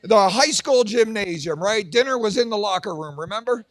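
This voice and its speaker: A man in his sixties doing a Christian stand-up comedy routine, telling animated stories and acting out voices and shouts. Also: high-pitched, moderate pace, no room sound. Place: large event hall with an audience.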